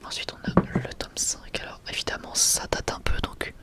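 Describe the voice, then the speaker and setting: Soft whispered ASMR voice. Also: moderate pace. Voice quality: soft, breathy unvoiced whisper. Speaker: ASMR video creator. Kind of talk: whispered ASMR manga showcase.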